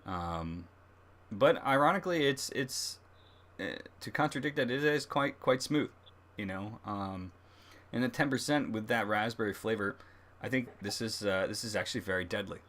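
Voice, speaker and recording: A man hosting a casual livestream tasting review, speaking haltingly as he thinks aloud. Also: fairly low pitch, fairly bright tone. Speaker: host of a beer review livestream. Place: livestream, speaking beside a laptop.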